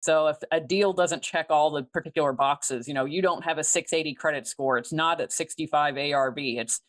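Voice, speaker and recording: A woman who is a private money lender, speaking as an interview guest and explaining things clearly and methodically. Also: low-pitched, a little fast. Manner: articulate, methodical, explains step by step.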